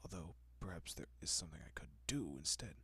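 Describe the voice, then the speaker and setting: Man acting soft, low, breathy gentleman vampire. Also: lively intonation, fairly quick, no echo, exaggerated voice. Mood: coaxing, tender. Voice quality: soft, breathy, often dropping to a whisper. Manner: hushed, reassuring, politely old-fashioned. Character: gentle, courteous wealthy male vampire, soothing and possessive. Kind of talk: intimate audio roleplay, addressing the listener.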